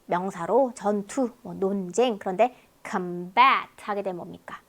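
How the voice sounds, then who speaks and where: A woman teaching English listening in a lecture, explaining word pairs in a lively, talkative way. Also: medium pitch, normal speed.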